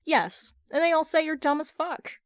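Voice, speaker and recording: A woman's voice: sits high, lively intonation, moderate pace, no echo, studio quality, voice pushed up. A woman playing a smug, teasing businesswoman. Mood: giddy. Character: confident teasing businesswoman, smug and sweetly nonchalant. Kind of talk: amateur fan fiction audiobook reading.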